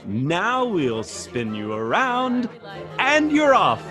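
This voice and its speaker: Male actor as jolly host, hugely varied pitch, teasing, theatrical, music behind. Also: wildly swooping pitch, slow, bright, forceful tone, exaggerated voice. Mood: merry. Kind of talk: theatrical radio drama acting.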